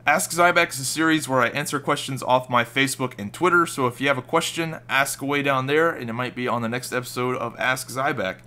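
A young man talking over game footage, voice a bit raspy since he just woke up. His tone is bright and forward, and he rambles in a loose, casual way, full of fillers and restarts. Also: mid-range voice, fairly quick, hardly any pauses. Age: young adult. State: slightly raspy from just waking up. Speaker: gaming YouTuber. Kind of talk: casual voice-over commentary over gameplay.

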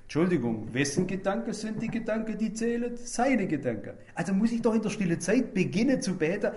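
An older man preaching a sermon, addressing the congregation directly with rhetorical questions and swinging between loud emphasis and quiet asides. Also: high voice, sing-song, brisk, slight background noise.

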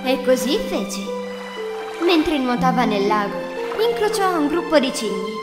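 A woman's voice: high-pitched, expressive, measured pace, reverberant, big-room sound, loud music behind the voice. A woman narrating a children's fairy tale in a scripted storybook style.

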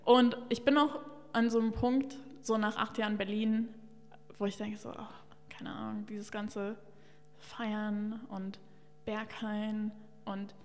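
A woman's voice: mid-range voice, little pitch movement, slow pace, darkish tone, soft background music. A young woman from Luxembourg, a journalist and podcast guest, talking candidly and with opinions into a stand mic, with many fillers. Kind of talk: casual interview talk. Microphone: studio mic on a stand. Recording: long reverb of a bare room.

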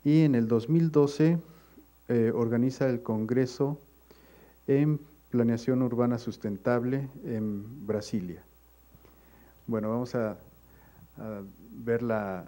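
A man stands at the front of a university auditorium, introducing the next speaker into a handheld mic. His tone is dark and mellow at a middle pitch. He reads steadily from notes, stumbling now and then. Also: fairly even intonation, slow, pauses often. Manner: reads a résumé with fillers and hesitations. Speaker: seminar moderator.

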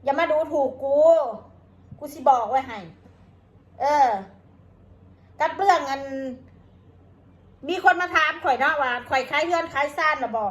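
High-voiced Isan woman ranting angrily. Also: a little slow, pauses often, fairly bright tone. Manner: coarse, combative, cursing. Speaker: vlogger. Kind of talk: angry rant to viewers.

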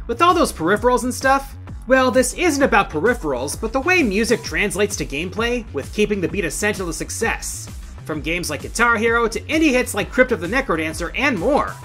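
A man's voice: high voice, sharp tone. A middle-aged man hosting a gaming countdown, reading scripted narration in an emphatic, playful showman's manner. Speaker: host of a video game countdown show. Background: music behind the voice.

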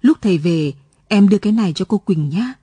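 A woman's voice: mid-range voice, animated, slightly rough, no room sound. Woman reading as a kind village teacher man. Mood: gentle. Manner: hushed, quick.

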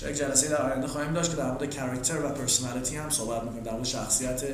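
A man with a Persian accent, a native Persian speaker teaching English in a classroom. He says model sentences slowly and clearly, then adds quick explanations. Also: mid-range voice, fairly even intonation, a little hiss or hum. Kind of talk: classroom language drill. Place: classroom with students. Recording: echoey room with chorus of students.

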